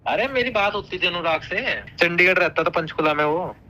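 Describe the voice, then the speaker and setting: A man's voice: high-pitched, lively intonation, brisk, sharp tone. A man with a North Indian accent chatting casually and recounting gossip on a recorded phone call.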